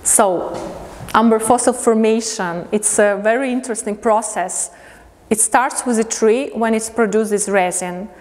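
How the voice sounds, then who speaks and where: A woman from Latvia gives a prepared lecture as an artist in English, halting as she looks for words. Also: a little high. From Riga, Latvia. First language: not English. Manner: halting, pausing to find words. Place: indoor museum lecture space. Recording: long reverberant hall.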